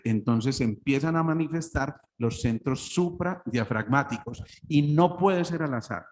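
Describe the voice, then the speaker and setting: A Colombian man with a Paisa accent, a doctor giving a spiritual lecture that moves into storytelling, often checking in with listeners by asking "¿cierto?". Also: medium pitch. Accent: Paisa (Antioquian) Spanish. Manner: storytelling with frequent "¿cierto?" asides. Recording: long hall reverb, faint background noise.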